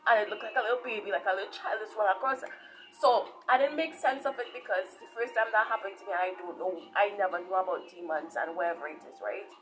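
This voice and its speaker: A fast-talking woman with a medium-pitched voice and a Caribbean accent gives informal testimony on her online preaching channel, repeating herself and frequently checking in with those listening. She comes from Saint Vincent and grew up in Trinidad. Soft music plays behind her, and the recording quality is low.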